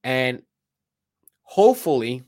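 Rhetorical questions punctuate this emphatic, single-speaker motivational talk from a business coach, a man who speaks Spanish natively and has a Spanish accent. His voice is mid-range and darkish in tone, slow and sing-song.

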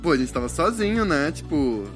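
A man's voice: on the high side, a little fast. A man in a casual chat, telling a story expressively and acting out what he said. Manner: expressive storyteller, acts out his own outbursts. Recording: faint music underneath. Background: faint background music.

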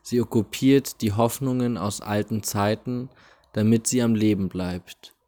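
A man hosting a podcast, reading a devotional text aloud in a deliberate, solemn way near a busy street. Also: lowish voice, steady tone, warm tone. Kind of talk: slow, measured reading of a spiritual text.

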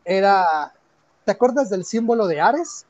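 A man's voice: high voice, lively intonation, measured pace, a little mellow, highs cut off. A man with a Mexican accent chatting casually and telling personal anecdotes in informal, slangy speech.

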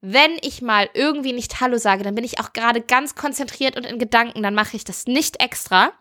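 A woman co-hosting a podcast in casual chat, telling stories in an animated way and laughing often. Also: a little high, brisk. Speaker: podcast co-host.

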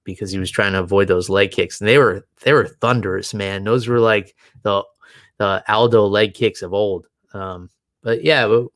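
A man's voice: lowish voice, fairly bright tone, no room sound, clean studio sound. Rambling male podcast co-host. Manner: rambling, many restarts and fillers. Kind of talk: casual chat.

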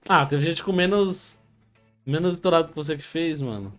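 A man's voice: on the high side, moderate pace, faint music behind. A man hosting a podcast, teasing his guest and asking questions. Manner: teasing, joking interviewer. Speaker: podcast host. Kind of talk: casual podcast interview.

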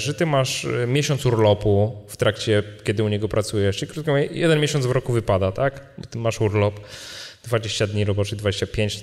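A man answering questions informally at a live event, digressing and often adding short tag questions. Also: on the low side. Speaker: speaker answering audience questions. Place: event hall at a live meetup. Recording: live hall with long reverb.

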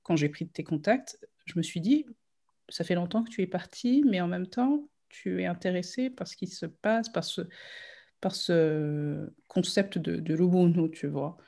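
A woman hosts a podcast in casual chat. She teases her guest playfully and laughs easily. Her questions come out relaxed and lively. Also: fairly low pitch, measured pace, gravelly. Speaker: podcast host.

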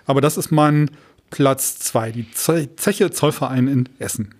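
A man's voice: mid-range voice, a little slow, a little mellow. A man from the Ruhr area of Germany chatting casually as a podcast co-host, telling jokey anecdotes.

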